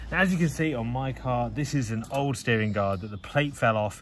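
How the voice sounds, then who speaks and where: A man talks at a fairly quick pace with ordinary pitch variation. The sound is dry with no echo, with music in the background. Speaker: car DIY vlogger. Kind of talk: tutorial. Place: garage. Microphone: phone near.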